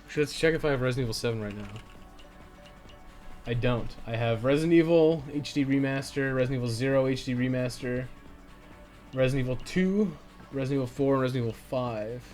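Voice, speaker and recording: A man's voice: medium pitch, quick pace, darkish tone, faint music behind. A Canadian man chatting casually and irreverently on a video game live stream, rambling and swearing freely.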